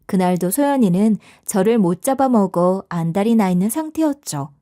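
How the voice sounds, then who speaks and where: Woman storyteller, confiding conversational narration, expressive. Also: mid-range voice, moderate pace.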